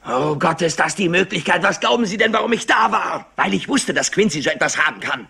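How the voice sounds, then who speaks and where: Overwrought, high-pitched young nephew. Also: male voice, lively intonation, brisk, gravelly, bright, forceful tone, husky, exaggerated voice. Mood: agitated. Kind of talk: German-dubbed TV crime drama acting.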